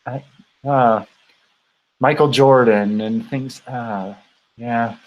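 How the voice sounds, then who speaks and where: A man in his thirties chatting casually as host of a livestream, halting and rambling, his voice tired from long talking. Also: medium pitch, fairly even intonation, lo-fi sound. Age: 30s. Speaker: host of a bicycle touring channel.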